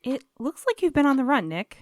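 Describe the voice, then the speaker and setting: A woman's voice: high voice, very animated, brisk, no room sound, studio quality. A woman playing a diplomatic, level-headed courier in an audio drama, speaking in a careful, placating way.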